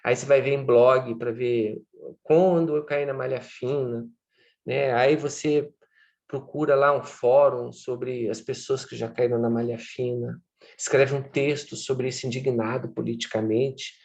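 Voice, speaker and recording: Gravelly man giving a casual lecture. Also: mid-range voice, steady tone, measured pace, a little mellow. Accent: Brazilian Portuguese. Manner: conversational, tag questions, acts out examples. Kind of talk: informal lecture.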